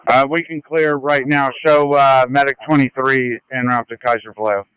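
Smooth-voiced male ambulance radio responder. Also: mid-range voice, steady tone, normal speed, a bit bright, poor audio. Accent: American. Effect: two-way radio. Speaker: emergency crew member on radio.

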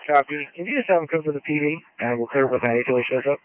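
A man's voice: on the high side, rapid-fire, a little hiss or hum. A police officer, a man, calling in over a walkie-talkie radio in clipped, matter-of-fact code talk. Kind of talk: terse radio traffic in call codes. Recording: tinny narrow-band radio, dry.

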